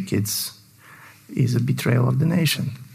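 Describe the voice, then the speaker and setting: Over noticeable background noise and audible room echo, a man with a Bulgarian accent speaks at a moderate pace. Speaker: political scientist. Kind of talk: lecture. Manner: halting.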